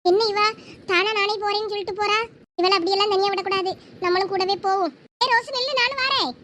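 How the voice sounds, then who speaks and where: A performer voicing a nosy young village woman friend in a very high, shrill cartoon voice with a Thoothukudi Tamil accent. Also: steady tone, fast talker, heavy background noise. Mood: scolding.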